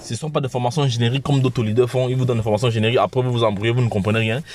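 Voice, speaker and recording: A man with a cold giving an informal promotional pitch as a channel host, halting and often repeating his phrases. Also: steady tone, a little mellow. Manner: halting, repetitive, with frequent restarts. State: has a cold.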